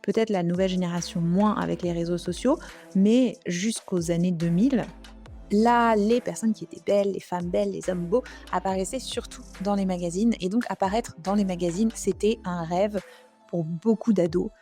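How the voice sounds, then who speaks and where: French woman telling a true crime story, casual and chatty, warm tone. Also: lowish voice, normal speed, faint music behind. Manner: chatty, conversational, with asides.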